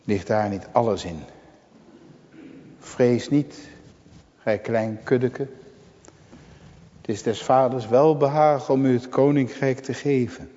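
A man preaching a sermon, slow and emphatic, with dramatic pauses and sudden exclamations. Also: mid-range voice, warm tone. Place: church. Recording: dull lo-fi sound in a reverberant church.

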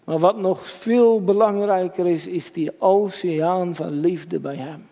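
A pastor preaches a sermon to his congregation, emphatic and repetitive, speaking directly to his listeners. His high voice is slow and warm with vocal fry, captured in a dull lo-fi church recording with long reverb.

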